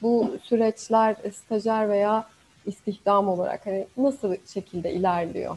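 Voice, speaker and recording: A woman speaks at a very slow pace. Her intonation is fairly even. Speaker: university career center moderator; career center moderator. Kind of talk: moderated online interview. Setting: online video event. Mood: polite, friendly. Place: home room. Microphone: earbuds.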